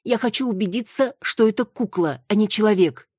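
Brief: woman reader playing a desperate young heroine, higher and tense, in a dry close take. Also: a little fast, a little mellow, breathy edge, dry recording, natural voice. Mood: insistent. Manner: pleading, breathless and panicky. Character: frantic young woman Marusya. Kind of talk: audiobook character voice.

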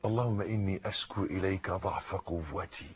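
An Egyptian man preaching a sermon, moving from hushed pleading to fervent shouting. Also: low-pitched, fairly quick, slightly rough. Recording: dull lo-fi recording.

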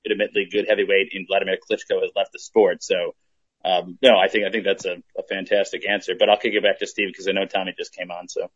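Male podcast co-host, lowish voice, conversational sports talk, muffled call-quality sound. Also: little pitch movement, fast talker, husky. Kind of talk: casual sports discussion. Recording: dull low-fidelity call audio.

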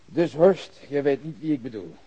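An actor playing a polite, methodical police inspector in a radio crime drama, questioning with measured courtesy. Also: male voice, medium pitch, animated, warm tone, slightly rough. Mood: probing. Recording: muffled, dull radio drama recording.

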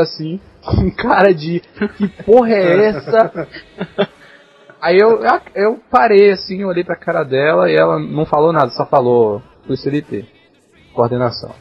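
Brazilian male co-host, raspy and a bit high, wisecracking chat. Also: fairly quick. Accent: Brazilian Portuguese. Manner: teasing, wisecracking. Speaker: podcast co-host. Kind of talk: casual chat. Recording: slightly muffled podcast audio.

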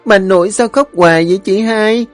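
A man's voice: high-pitched, normal speed, faint music behind, voice pushed up, natural voice. A man voicing a cheerful, chatty five-year-old boy, eager and sweet-talking.

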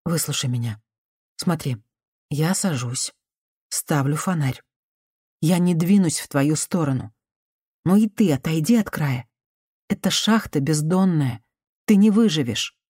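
A woman reading an audiobook voices a gentle, cautious woman speaking softly and trying to calm someone down. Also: sits low, unhurried, long pauses, slightly rough, no echo, clean studio sound, heavily acted. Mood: coaxing. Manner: soft, conciliatory, hushed.

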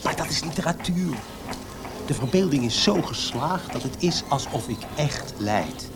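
An actor playing a fragile, self-pitying young poet in a Dutch radio drama, with a plaintive and halting delivery. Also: male voice, fairly high pitch, expressive. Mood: plaintive, dejected. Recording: radio play with noisy background ambience.

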